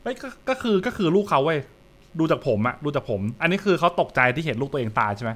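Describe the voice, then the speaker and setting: Very animated and quick, this young man's fairly high voice carries his live reaction to horror comics. He keeps repeating short phrases while thinking aloud, and there's music underneath.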